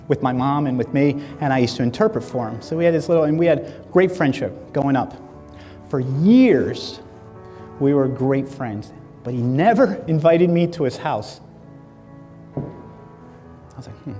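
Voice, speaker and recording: A man, giving a keynote speech and acting out stories with lively dialogue. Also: fairly high pitch, big-room sound. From Latin America, Spanish-speaking. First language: Spanish. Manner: animated storyteller acting out dialogue. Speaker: motivational speaker. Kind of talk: keynote speech to a live audience. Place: large hall.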